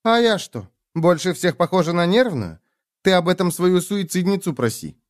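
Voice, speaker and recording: A man's voice: sits high, sing-song, moderate pace, pitched above the performer's own voice. A man putting on a furious sarcastic young woman. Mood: mocking. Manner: sarcastic, swearing, indignant. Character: sharp-tongued angry young woman, Nastya.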